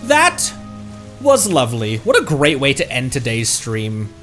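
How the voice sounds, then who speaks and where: A man's voice: medium pitch, huge pitch swings, unhurried, a bit bright, soft background music. A man chatting casually on a livestream as the streamer, playful and rambling.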